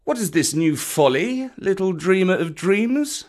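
A man's voice: sits high, expressive, pitched above the performer's own voice. A sleek male panther from a storybook, acted out by a man, wry and protective with a severe edge. The voice sits above the reader's own and moves expressively, in pointed, old-fashioned phrases. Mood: teasing. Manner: archaic, pointed, measured phrasing.

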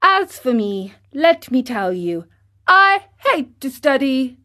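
A woman reading a storybook aloud, voicing a naughty, hot-tempered boy marionette who talks loudly and defiantly. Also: sits high, big pitch swings, slow, voice pushed up, exaggerated voice. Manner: loud, defiant and impatient.

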